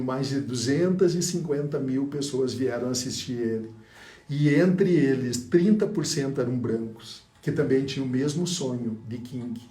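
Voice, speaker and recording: A man teaching a public speaking lesson, demonstrating by shifting his loudness and pausing for effect. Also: medium pitch, reverberant, recorded from a distance. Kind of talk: speech course lesson.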